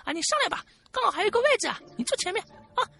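A man voicing a sleazy middle-aged male cab driver who wheedles in a high, coaxing voice. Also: very animated, racing, vocal fry, pushed and bright, full character voice.

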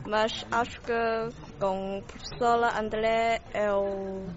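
Shy, slow young student woman. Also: medium pitch, little pitch movement. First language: Chinese. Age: young adult. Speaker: first-year student, band member. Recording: dull muffled audio.

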